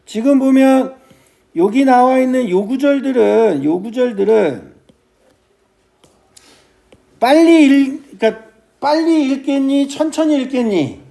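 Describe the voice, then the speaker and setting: A male teacher giving a classroom lecture on classical poetry, often checking with his students and reciting verse slowly. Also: very high-pitched, lively intonation, gravelly, dark tone. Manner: keeps starting with "ja", asks students quick checking questions.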